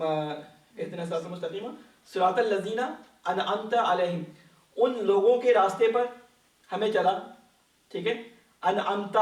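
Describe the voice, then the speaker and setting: Far from the microphone in a reverberant mosque hall, a high-voiced man patiently leads a Quran lesson. He asks the class questions and supplies the answers as he explains.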